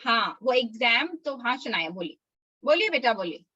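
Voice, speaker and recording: A woman's voice: fairly high pitch, big pitch swings, bright, forceful tone, slightly rough, no echo, muffled recording. A woman teaching a Sunday school class for young children over a video call, coaxing them and drilling a verse line by line. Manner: coaxing, slow drilled recitation for small kids.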